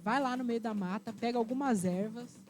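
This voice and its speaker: A woman storyteller voicing a calm, sly male trickster spirit who soothes and teases. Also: on the high side, moderate pace, close to an everyday voice. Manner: soothing, teasing.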